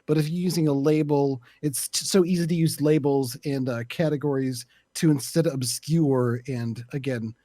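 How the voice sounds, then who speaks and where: A man in a casual panel discussion, speaking in a halting, thoughtful and opinionated way. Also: fairly high pitch, steady tone, warm tone, no room sound, studio quality. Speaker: podcast panelist.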